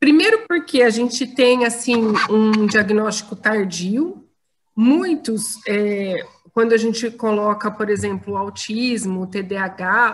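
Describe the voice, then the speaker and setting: Speaking at a very slow pace, a woman has a fairly high, somewhat breathy voice with ordinary pitch variation. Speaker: guest speaker on neurodiversity. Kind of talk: talk and Q&A. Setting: video call.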